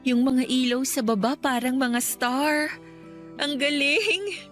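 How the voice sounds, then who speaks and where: A woman playing a playful, expressive young woman in a radio romance drama. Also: high voice, takes it slowly. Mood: amazed. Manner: teasing, girlish, expressive exclamations. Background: music.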